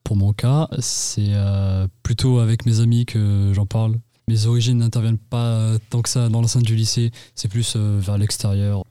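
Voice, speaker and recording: A teenage boy answering interview questions haltingly, with many fillers, in a school radio setting. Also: lowish voice, flat delivery, dark tone, no echo. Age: teens. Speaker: student guest.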